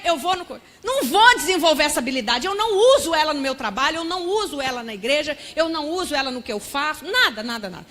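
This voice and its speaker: Female pastor, high-pitched, chatty teaching sermon, keeps checking in with the room. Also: fairly bright tone. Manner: conversational, often checking in with the audience. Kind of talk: church lecture sermon. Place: church.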